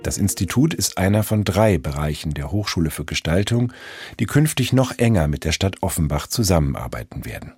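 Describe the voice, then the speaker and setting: A man's voice: deep voice, animated, a little fast, a little mellow, breathy edge, soft background music. A male news presenter introducing a report and putting a question to a guest.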